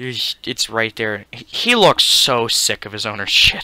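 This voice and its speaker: Noticeable noise fills the background as the words arrive at a fairly slow pace. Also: man. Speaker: digital art youtuber. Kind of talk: drawing tutorial commentary. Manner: sounds shy on recordings; rambling, hesitant with fillers.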